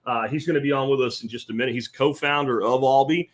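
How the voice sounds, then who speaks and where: A man's voice: mid-range voice, fast. A middle-aged man from central Pennsylvania hosting a podcast, talking in a casual, folksy and emphatic way, including sponsor reads. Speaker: podcast host.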